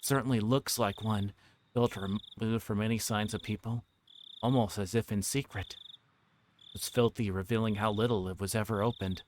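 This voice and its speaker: A man's voice: lowish voice, steady tone, moderate pace, darkish tone. A man reading a visual novel aloud on a livestream, narrating with occasional stumbles over words. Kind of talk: livestream read-aloud narration with character voices. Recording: clearly noisy background with clicks.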